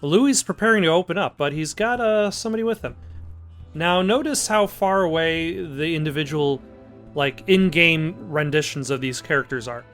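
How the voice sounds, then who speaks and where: A gameplay host with a somewhat bright voice on the high side talks at normal speed through a casual let's play. He makes dry, joking asides, and game music plays in the background.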